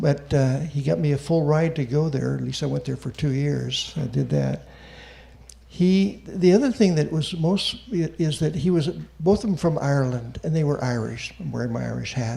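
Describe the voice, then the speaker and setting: A man speaking with an American accent keeps a moderate pace against noticeable background noise. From US Northwest, Portland, Oregon. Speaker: church member. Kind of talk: testimony. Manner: halting.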